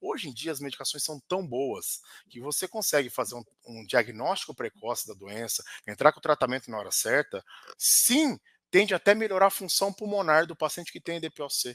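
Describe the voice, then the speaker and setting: A man with a São Paulo accent speaks at a fairly quick pace in a bright, sharp tone. His pitch swings very widely, and the sound is dry and close with no echo. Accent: caipira paulistano. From interior of São Paulo state, Brazil (Barretos). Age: 40s. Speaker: pulmonologist. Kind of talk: podcast interview.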